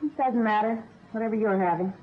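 A woman's voice: a little high, a little fast, a little hiss or hum, lightly acted. An actress playing a sociable, flirtatious woman under suspicion, in a 1950s radio crime drama. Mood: relaxed. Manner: coaxing, sociable. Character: flirtatious, friendly female suspect. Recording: tinny old radio broadcast.

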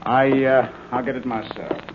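A man's voice: medium pitch, fairly even intonation, normal speed, natural voice. An actor playing an authoritative male scientist who commands a missile test in a 1950s radio drama. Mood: guarded, tender. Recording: muffled, noisy 1950s radio recording.

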